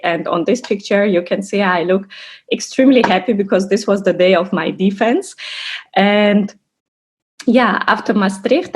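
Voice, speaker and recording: A woman's voice: medium pitch, a little mellow, breathy edge. A woman in her thirties from Armenia, raised in Russia, presenting a course overview as an assistant professor over a video call, explaining carefully with frequent restarts. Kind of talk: online lecture presentation.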